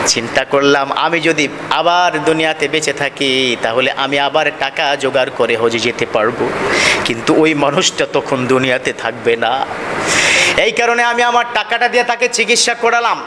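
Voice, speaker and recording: A Bangladeshi man delivers an Islamic sermon in a high-pitched voice. He tells stories, asks rhetorical questions and prompts his listeners. The recording has long hall reverb and clear background noise. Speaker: Islamic preacher. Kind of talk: sermon to a congregation, with anecdotes and Arabic quotations.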